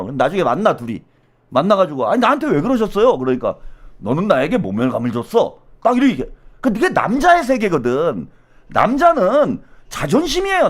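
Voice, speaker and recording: A man hosting solo political commentary, animated and blunt, with slangy speech and constant "어?" tag questions. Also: sits high.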